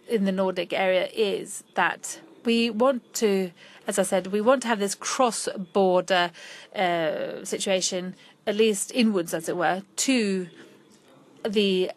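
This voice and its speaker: Halting woman interpreting a lecture live. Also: mid-range voice. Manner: halting, frequent fillers and restarts. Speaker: conference interpreter.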